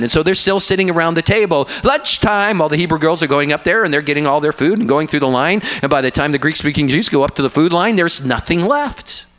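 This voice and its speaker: A man preaching a sermon to a congregation, teaching with lively asides and asking them questions to draw them in. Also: high voice. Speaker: university guest preacher.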